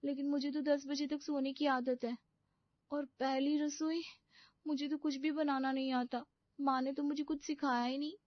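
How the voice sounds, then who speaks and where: A woman's voice: sits high, little pitch movement, moderate pace, no echo, voice pushed up, close to an everyday voice. Clueless young bride, voiced by a woman. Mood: naive. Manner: nervous, naive, soft. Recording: dull lo-fi dry recording.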